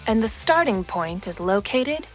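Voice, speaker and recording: A woman's voice: mid-range voice, big pitch swings, a little slow. A woman narrator delivering scripted narration and commentary for an audio drama. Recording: music behind the voice.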